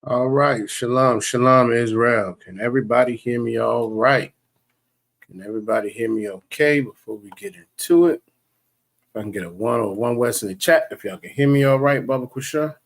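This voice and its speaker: A man's voice: medium pitch, moderate pace. A man teaching a livestreamed religious class, in a preachy, repetitive way with many fillers and restarts.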